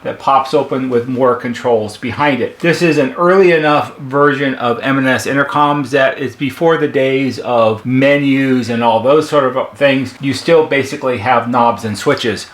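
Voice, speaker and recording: Male presenter, American, mid-pitched, plain-spoken technician explaining equipment in an echoing room. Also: a bit bright. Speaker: presenter, intercom repair technician. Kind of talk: unscripted product walkthrough. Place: indoor workshop at a workbench. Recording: roomy, echoing indoor sound.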